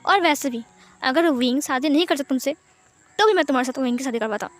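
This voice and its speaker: A protective mother in a spoken fan story fusses and chides , as a woman reads her out. Her voice is high-pitched, and faint music plays behind her. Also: fast, close to an everyday voice. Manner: fussing and chiding. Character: protective warm-hearted mother.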